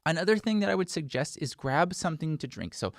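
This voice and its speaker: A man's voice: on the high side, lively intonation, fast talker, vocal fry, no room sound, clean studio sound. An American man in his forties hosting a conversational instructional talk, stressing his advice emphatically. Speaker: host, sound mixer. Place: small indoor post-production studio. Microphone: desk microphone close in front.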